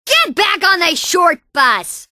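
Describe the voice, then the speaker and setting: This is a cocky young girl bandicoot from a racing video game. Her voice is extremely high and bright, swinging animatedly up and down. She sounds perky, sassy and boastful, in full cartoon style. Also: very animated, slow pace, no room sound, clean studio sound, exaggerated voice. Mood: miffed. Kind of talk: video game character voice lines.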